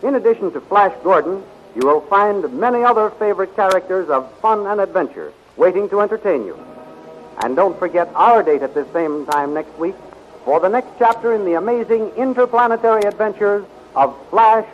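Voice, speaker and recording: A dramatic 1930s radio serial announcer, high-voiced and declamatory. He reads scripted narration emphatically on a dull old recording with slight noise. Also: animated, normal speed. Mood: dramatic, promotional.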